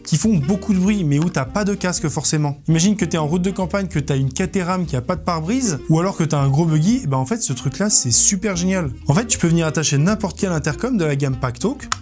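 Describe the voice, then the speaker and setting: A man's voice: a little high, lively intonation, quick pace, few pauses, a little mellow, soft background music. A man giving a casual product review to camera as a presenter, informal, playful and self-mocking in his delivery. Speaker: presenter of a motorcycle gear video.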